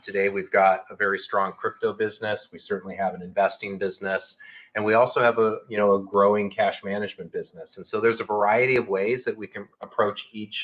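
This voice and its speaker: A man speaking as a company executive, answering questions on an earnings call in measured, hesitant, unscripted corporate talk. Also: lowish voice. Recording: narrow tinny phone-line audio.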